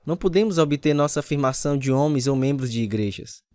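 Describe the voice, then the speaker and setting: In a scripted radio drama set over acoustic guitar music, a man in his 30s voices the narrator and lead, an earnest, repentant husband recounting his conversion in first person. His mid-range voice moves at a quick pace, lightly acted, with a confessional sincerity.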